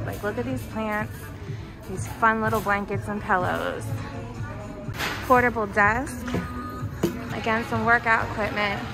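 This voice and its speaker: A woman's voice: mid-range voice, rough recording. A young American woman giving casual, enthusiastic shopping commentary as she gushes over items in a store. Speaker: shopping vlogger. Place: inside a discount retail store. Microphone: handheld camera or phone, held by the speaker. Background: music.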